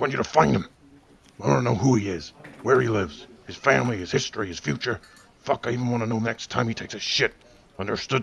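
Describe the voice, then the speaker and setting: Using a put-on character voice, a man talks at a very fast pace with lively intonation, big swings in loudness, and long, frequent pauses. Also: medium pitch for a man. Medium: audio drama. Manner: angry, swearing, bossy.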